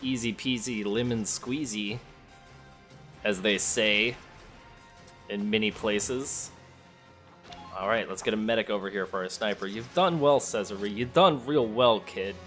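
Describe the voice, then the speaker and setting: Low voiced guy doing a casual lets play, thinking out loud, game music faintly behind him. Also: a little slow, pauses often. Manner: thinking aloud, talking to game characters. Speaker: let's play host. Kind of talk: casual gameplay commentary, sometimes reading game text aloud.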